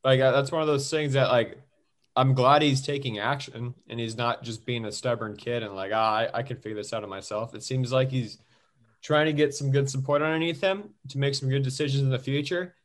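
A man's voice: mid-range voice, steady tone, a little fast. A man from California co-hosting a casual sports talk show, earnest and thinking aloud with many fillers. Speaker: co-host.

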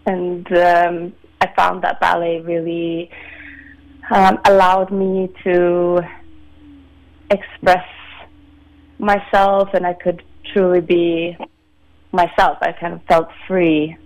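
A woman in her late twenties, from Sweden, a ballet dancer answering interview questions in a measured, soft-spoken way with many pauses. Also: fairly low pitch, flat delivery, poor audio. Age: 20s. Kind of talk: phone-in radio interview.

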